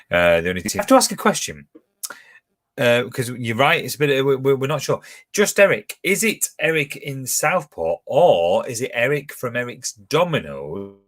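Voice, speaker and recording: A man with a medium-pitched, somewhat bright voice hosts a pub quiz from home. He chats casually while reading out the questions, the answer options and the team scores.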